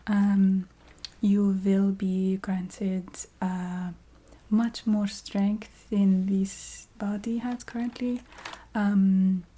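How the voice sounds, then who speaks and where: A woman voicing a chatty, businesslike vampire recruiter in a soft whispered ASMR roleplay. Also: medium pitch, husky. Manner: hesitant, matter-of-fact, checking in with the listener.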